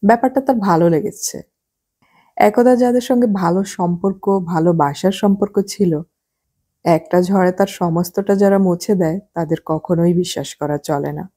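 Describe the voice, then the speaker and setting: A woman's voice: on the low side, normal speed, dark tone, breathy edge. A woman reading a novel aloud as an audiobook narrator, shifting her voice for each character's dialogue.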